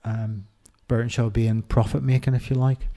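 A middle-aged Irish man speaks in a low-key, mellow voice that barely rises or falls. He talks haltingly and reflectively, restarting his sentences and filling pauses with ums as he opens up in an interview. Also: little pitch movement. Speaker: interview guest. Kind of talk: candid personal interview.

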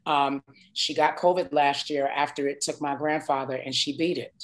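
A woman in her forties from New York, a singer chatting as a guest in an interview and telling stories in an expressive, emphatic way. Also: sits low, normal speed, low-quality recording. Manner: warm, expressive storyteller with emphatic asides. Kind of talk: casual interview chat.

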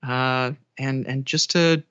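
A man with a mid-pitched, bright and crisp-edged voice chats as a podcast guest. His delivery is conversational, and the recording is slightly dull and band-limited. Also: fairly even intonation, slow. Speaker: podcast guest, audiobook narrator. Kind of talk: casual interview chat, giving advice.

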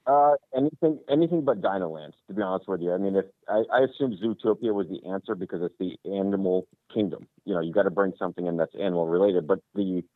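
Give me a deep, fast-talking man over the phone. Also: no echo. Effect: heard over the phone. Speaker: caller to a fan call-in show. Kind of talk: casual chat. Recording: tinny dry phone line.

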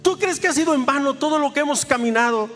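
High-voiced male pastor in a reverberant church. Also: fast, over music. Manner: earnest, heartfelt testimony building to fervent exhortation. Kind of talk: sermon. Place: church sanctuary. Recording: long reverb of a church hall.

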